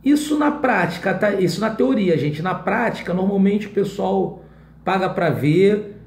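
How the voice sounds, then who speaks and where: A man's voice: high voice, animated, a little slow, echoey room, background noise. A man teaching an exam-prep class in Brazilian Portuguese in a casual way, often checking in with his students.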